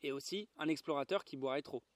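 A man voicing an old male geographer, a self-important scholar, in a measured way, in a dry recording. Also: a little high, dry recording, lightly acted. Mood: lofty.

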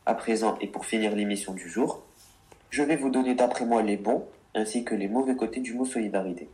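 A man's voice: on the low side, a little fast, dark tone. A man co-hosting a radio show about words, reading earnest explanations and answering teasing with mock exasperation. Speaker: co-host of a word radio show.

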